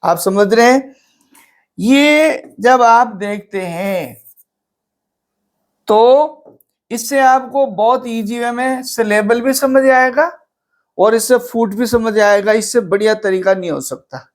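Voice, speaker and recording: An English literature teacher gives an exam-prep lecture, patiently counting syllables aloud, asking rhetorical questions, and mixing English terms into the explanation. The voice is mid-range, with a slow pace.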